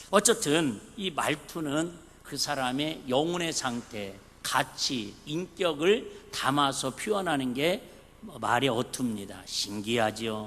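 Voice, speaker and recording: A man with a fairly high pitch and a slight Jeolla accent, speaking at a very slow pace with very wide pitch swings. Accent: mild Jeolla dialect. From Korea, North Jeolla. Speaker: pastor. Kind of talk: sermon.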